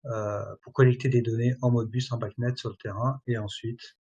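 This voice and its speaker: A man presenting and demoing software in a webinar, talking in a halting way and filling pauses constantly. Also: medium pitch, level tone, slightly rough, muffled recording. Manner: hesitant, many fillers like voilà and hein. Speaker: product presenter.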